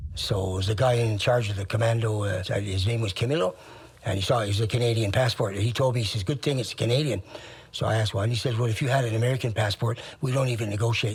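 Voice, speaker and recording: Speaking at a very fast pace, a man keeps his intonation fairly even. His medium-pitched voice is somewhat breathy. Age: 70s. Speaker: former pilot and convicted drug trafficker. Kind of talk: documentary interview testimony.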